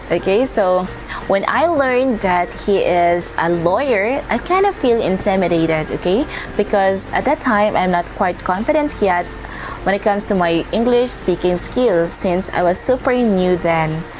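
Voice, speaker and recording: There is noticeable background noise as a woman speaks at medium pitch and a moderate pace. Her intonation is lively while her loudness stays very even. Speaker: online English teacher and vlogger. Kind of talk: casual vlog talk.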